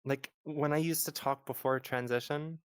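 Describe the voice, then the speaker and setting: A woman's voice: very deep voice, steady tone, moderate pace, clear, resonant tone, no room sound, clean studio sound. A trans woman co-hosting a podcast, chatty and jokey, with a light Californian accent. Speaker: podcast co-host. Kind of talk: casual chat.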